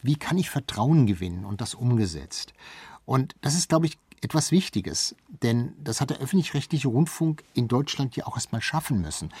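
Slightly husky man explaining as expert guest. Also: medium pitch, darkish tone, no room sound. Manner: anecdotal, explanatory, emphatic word repetition. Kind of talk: explanatory interview talk on history.

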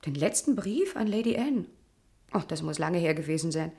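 An actress playing a haughty, precise young household companion under suspicion in a German radio crime drama, pointed and slightly indignant. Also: female voice, fairly low pitch, expressive, normal speed, dark tone. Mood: precise, composed. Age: 20s.

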